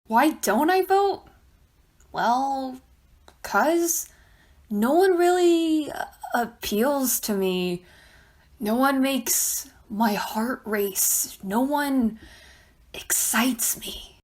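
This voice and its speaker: A woman's voice: high voice, animated, drawn-out words, long pauses, full character voice. A woman playing a jaded, sarcastic debate co-host in a staged political satire, with a dismissive way of talking. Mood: apathetic. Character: jaded, sarcastic female debate co-host and apathetic non-voter.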